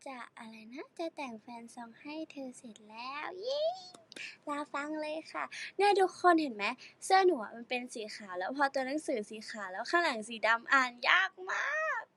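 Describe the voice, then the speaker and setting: Teen girl, idol streamer; high and animated, giggly chatter, sore and careful. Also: moderate pace. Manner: chatty, giggly, reading viewer comments aloud. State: stiff and sore, sitting very upright. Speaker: idol live-streaming to fans. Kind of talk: casual live-stream chat.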